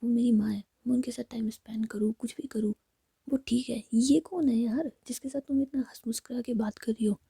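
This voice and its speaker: A woman's voice: fairly high pitch, steady tone, a little fast, vocal fry, dark tone, breathy edge, no echo, studio quality, full character voice. A woman whispering the lines of a jealous young woman, curt and accusing.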